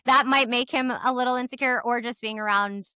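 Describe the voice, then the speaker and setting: A woman's voice: fairly high pitch, fairly even intonation, fairly quick, pushed and bright, clean tone, dry recording. A woman chatting casually as a podcast co-host, with a candid, gossipy manner. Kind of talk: casual chat.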